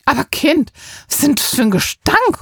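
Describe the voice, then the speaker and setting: A woman voicing a fussy, dramatic older neighbor woman in a storybook reading, with a shrill, overwrought manner. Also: sing-song, moderate pace, a bit bright, no room sound, studio quality, exaggerated voice. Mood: disgusted.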